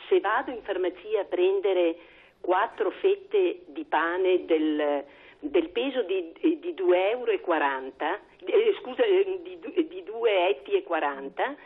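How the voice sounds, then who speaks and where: Give me an indignant woman in her sixties from Veneto, heard over the phone, husky and halting. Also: on the low side. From Veneto, Italy. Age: 60s. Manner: indignant, halting, many fillers. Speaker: caller. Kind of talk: phone-in call to a talk show. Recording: tinny phone line.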